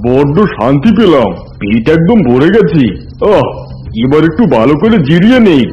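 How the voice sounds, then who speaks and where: A man's voice: on the high side, big pitch swings, normal speed, warm tone, lo-fi sound, a little hiss or hum. A man voicing a sly, greedy, gloating tiger king in a cartoon. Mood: sated, relieved. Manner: gloating, self-satisfied. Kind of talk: cartoon voice acting.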